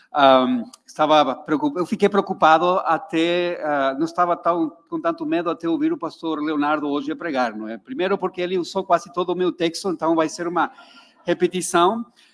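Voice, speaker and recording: Speaking with a non-native accent, a man uses lively intonation at a high pitch and moderate pace, the sound dry and close with no echo. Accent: foreign accent in Portuguese. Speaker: pastor. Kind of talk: sermon. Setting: church. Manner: halting.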